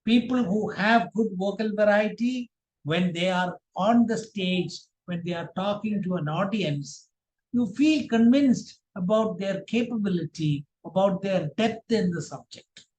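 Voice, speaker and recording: A man teaching a public speaking workshop, speaking deliberately in short, emphatic phrases. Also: high voice, darkish tone. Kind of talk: instructional workshop presentation. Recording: roomy, echoing sound.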